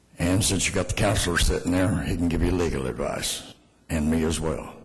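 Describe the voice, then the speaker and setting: A man with an American accent speaks at a very deep, low pitch and a fairly quick pace, with vocal fry, fairly even intonation, and audible room echo. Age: 70s. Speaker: citizen speaker at public comment. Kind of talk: public comment at city council meeting.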